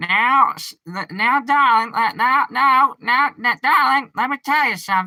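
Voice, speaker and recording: Delivered at a fairly slow pace, the put-on character voice sits at a fairly high pitch. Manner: doting, lecturing.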